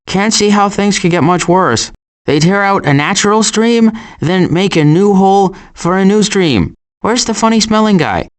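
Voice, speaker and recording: An actor voicing a cautious, worrying turtle in an animated video game, with a dry, hesitant and wry delivery. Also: male voice, sits high, moderate pace. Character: cautious, worrying male cartoon turtle, dryly sarcastic.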